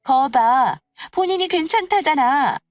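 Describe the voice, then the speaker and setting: A woman voicing a snobbish, sneering young woman in an audio story, talking in a condescending, mocking, drawn-out way. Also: fairly high pitch, sing-song, no echo. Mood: indignant, sneering. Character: snobbish, sneering young woman who belittles her friends. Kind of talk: acted dialogue in an audio story.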